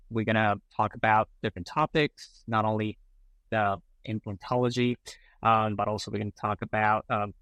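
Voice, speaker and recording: A man's voice: lowish voice, a bit bright, no room sound, rough recording. A middle-aged man from Colombia, a prosthodontist guest on a podcast, talking casually with many fillers and restarts. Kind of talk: casual interview talk.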